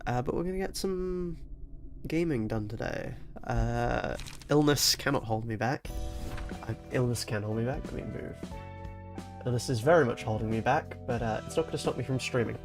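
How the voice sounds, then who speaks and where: A young man streaming a video game while ill with a cold, sounding nasal and stuffy, talking quietly with low energy and chuckling now and then. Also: normal speed, soft background music. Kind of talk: casual live-stream chat while playing.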